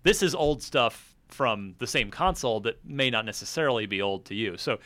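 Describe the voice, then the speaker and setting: A man's voice: mid-range voice, expressive, normal speed, a bit bright. A man hosting a casual panel chat about video games, explaining his points as he thinks aloud. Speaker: podcast host.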